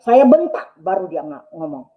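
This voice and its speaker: A woman's voice: lowish voice, sing-song, normal speed, muffled recording. A woman telling her personal testimony to a congregation, acting out the dialogue and often calling listeners brothers and sisters. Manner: storytelling, acts out dialogue, keeps addressing listeners as brothers and sisters. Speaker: testimony speaker at a church broadcast.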